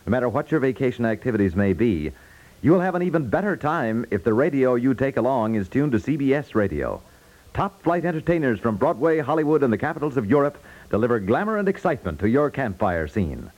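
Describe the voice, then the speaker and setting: A man's voice: mid-range voice, darkish tone. A man with an American accent reading a scripted 1950s radio promo in a polished, upbeat way. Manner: polished, upbeat sales delivery. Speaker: radio network announcer. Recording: muffled old radio recording.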